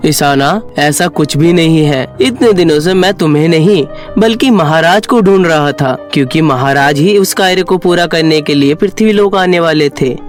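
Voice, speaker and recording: Man acting a high-pitched, calm serpent uncle. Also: normal speed, hardly any pauses, soft background music, close to an everyday voice. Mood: placating. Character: calm, advising serpent uncle, middle-aged male. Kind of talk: cartoon story voice acting.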